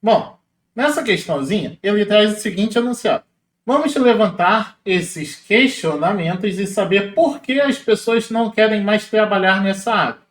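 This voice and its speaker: A man's voice: sits high, animated. Echoey male teacher explaining exam answers. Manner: casual, explanatory, spells out syllables slowly. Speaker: Portuguese teacher. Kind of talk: exam question walkthrough.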